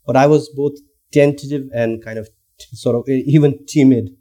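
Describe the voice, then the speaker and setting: In a mellow, medium-pitched voice with fairly even intonation and normal speed, a Nepali researcher in his thirties discusses academic matters as a guest lecturer. He is thoughtful but frequently uses fillers and restarts.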